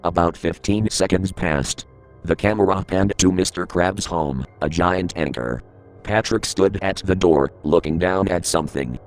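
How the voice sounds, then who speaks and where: A very deep-voiced male narrator reads a creepypasta horror story aloud, a little slowly, with faint music in the background. His tone stays grave and even, so the dark events land without embellishment.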